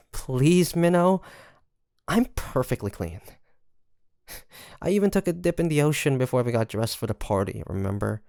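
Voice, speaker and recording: A performer playing a teasing, easily flustered pirate captain in an intimate ASMR roleplay, speaking haltingly with sighs and soft laughs. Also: medium pitch, animated, creaky, dry recording, studio quality. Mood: playful, protesting.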